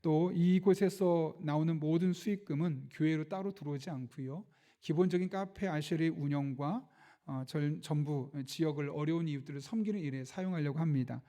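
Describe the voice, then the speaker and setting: Man, pastor, middle-aged, Sunday sermon, storytelling, high voice, warm tone. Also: normal speed. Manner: storytelling with acted-out quotes, gentle humor. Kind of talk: Sunday sermon with announcements and prayer.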